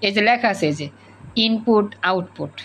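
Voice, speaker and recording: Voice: mid-range voice, animated, moderate pace, fairly bright tone, a little hiss or hum, poor audio. A woman with a Bangladeshi Bengali accent teaching an online class, repeating points and coaxing students to answer over a video call.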